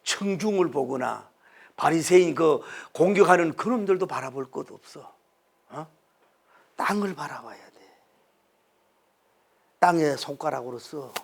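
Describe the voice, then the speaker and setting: Male pastor, sermon, heavily gravelly voice, rhetorical questions, loud to hushed. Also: fairly high pitch, expressive, unhurried, long pauses.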